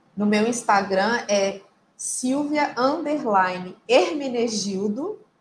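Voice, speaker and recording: Somewhat breathy, a woman speaks at a fairly slow pace with a fairly high pitch and ordinary pitch variation. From Brazil, Juiz de Fora (Minas Gerais). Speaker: organizational psychologist. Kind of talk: podcast interview. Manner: animated.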